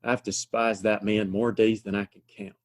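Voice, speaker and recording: A man playing a low-voiced, gruff Western saloon keeper. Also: flat delivery, normal speed, lightly acted. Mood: defiant, resolved. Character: weary, resolute male saloon keeper of Western town. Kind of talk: Western audio drama acting.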